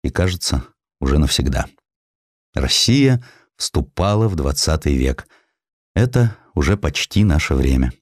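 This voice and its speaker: A man with a low voice reads scripted historical narration. His delivery is highly expressive, with deliberate pauses and shifting emphasis, and the sound is close and dry. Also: dry recording. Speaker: audiobook narrator.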